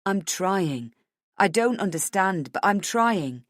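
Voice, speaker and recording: A woman voicing a frightened, tearful husband in an audiobook, gentle and pleading, with a hesitant delivery. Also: medium pitch, expressive, slow pace, no echo, clean studio sound. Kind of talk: dramatic audiobook character dialogue.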